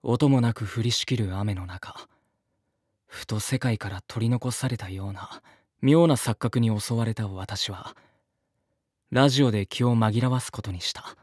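A man's voice: lowish voice, unhurried, a little mellow, dry recording, clean studio sound. An actor playing an earnest, polite man who narrates his journey reflectively in an audio drama. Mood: reflective narration.

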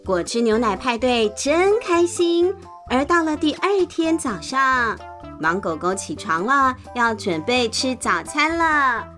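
A woman with a high, bright voice reads a children's story as if to a toddler. She exclaims and poses simple questions as she goes. Faint music plays behind her. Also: sing-song, slow pace. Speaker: host, storyteller. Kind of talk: children's picture-book storytelling. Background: soft music.

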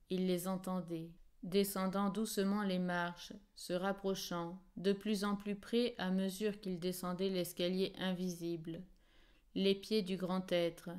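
A woman reading a novel aloud as an audiobook narrator, in a measured and expressive way. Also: on the low side, clear, resonant tone. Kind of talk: scripted literary narration.

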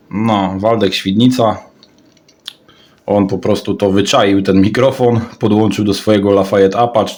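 A radio hobbyist vlogger shows off a product in a casual, off-the-cuff way, rambling and often repeating his words and phrases. His voice is fairly low, creaky and a little mellow.

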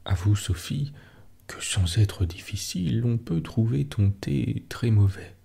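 A man softly voicing a disgusted little girl in a storybook reading. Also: fairly low pitch, lively intonation, unhurried, creaky, husky, full character voice. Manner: softly read, hushed.

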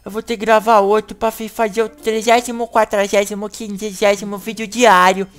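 A woman hosting a gaming channel, acting in a comedic video-game animation with an excitable, whiny way of talking. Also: mid-range voice. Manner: excitable, whiny, fast bursts.

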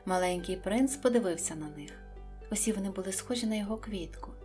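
A woman narrating a children's audiobook in a soft, even storytelling voice. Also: mid-range voice, quick pace, soft background music.

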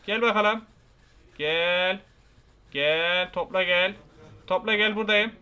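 A young man giving excitable, frustrated gameplay commentary, shouting at the characters on screen. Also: sits high, slow, clear, resonant tone. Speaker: gaming YouTuber.

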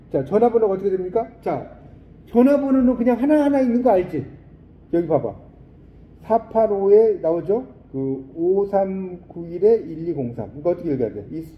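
A man teaching an English class, quizzing his students and reading English phrases slowly and deliberately. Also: high voice, reverberant, phone-quality sound. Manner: lively, quizzing students with questions.

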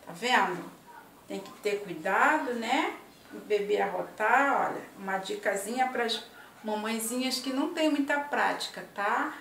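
A woman's voice: a little high, unhurried, vocal fry, fairly bright tone, a little hiss or hum. A woman in her fifties chatting to camera in her home kitchen, affectionate and talkative, often tagging her sentences with little check-ins to the viewer. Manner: chatty, affectionate, tags lines with "né" and "ó". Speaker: vlogger. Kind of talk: casual chat to camera. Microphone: laptop or webcam at arm's length. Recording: echoey tiled kitchen, mic at a distance.

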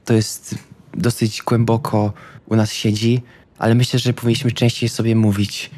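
A man playing a tabletop roleplaying game, speaking casually in character in an earnest, careful, halting way. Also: fairly low pitch, flat delivery, darkish tone. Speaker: tabletop RPG player.

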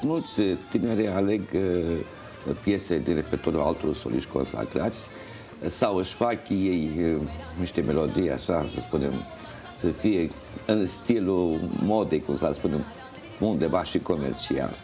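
An older man being interviewed in a TV studio, explaining things in a halting, measured way. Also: low-pitched, lively intonation, warm tone. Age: older, around 60s. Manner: halting, measured, pausing mid-phrase. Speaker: interview guest, folk festival organizer and juror. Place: indoor TV studio. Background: music playing.

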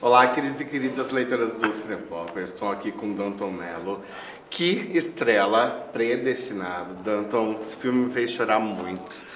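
A man's voice: on the low side, animated, normal speed, reverberant, noisy background. A man interviewing an actor at a press junket, speaking effusively and with enthusiasm. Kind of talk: friendly interview questions. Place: press junket room with a banner backdrop.

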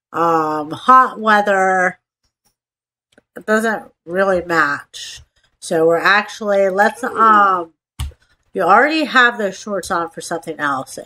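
A woman's voice: mid-range voice, bright, forceful tone. A woman with a slightly congested nasal voice giving casual, playful gameplay commentary, chatting to herself and repeating phrases. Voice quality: stuffed-up, congested nasal sound. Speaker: gaming video host. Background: voice-over for a screen-recorded game.

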